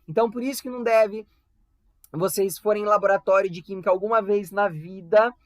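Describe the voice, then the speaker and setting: A man's voice: sits high, a little fast, no room sound. A young man with a Brazilian Portuguese accent teaching a casual online chemistry class, chatty and full of tag questions and playful asides. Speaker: volunteer chemistry tutor.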